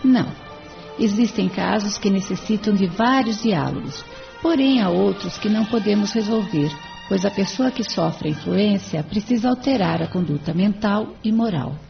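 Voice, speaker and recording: Woman doing a calm church spirit, gravelly edge, dull audiobook sound, faint music. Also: medium pitch, moderate pace. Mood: serene. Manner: explanatory, composed.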